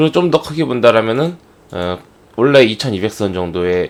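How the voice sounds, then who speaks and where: A man speaks quietly at a fairly low pitch. His voice moves in very wide pitch swings. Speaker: stock market commentator. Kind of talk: market analysis talk. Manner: quiet voice, may crack.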